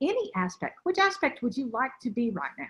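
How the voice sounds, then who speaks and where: A woman with an American accent talks at a fairly quick pace in a somewhat breathy voice. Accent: southern, comes out when playful. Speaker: spiritual teacher. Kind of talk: spiritual group talk. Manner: animated.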